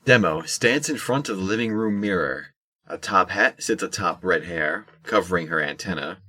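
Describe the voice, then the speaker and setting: A man's voice: low voice, expressive, moderate pace, pushed and bright. A man reading scripted narration for an audio drama.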